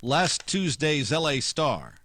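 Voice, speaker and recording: An actor playing a hard-boiled private detective in a 1940s-style radio drama, terse, wry and world-weary. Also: male voice, on the high side, sing-song, takes it slowly, noisy background. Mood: skeptical, wry. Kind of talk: 1940s noir radio drama narration and dialogue.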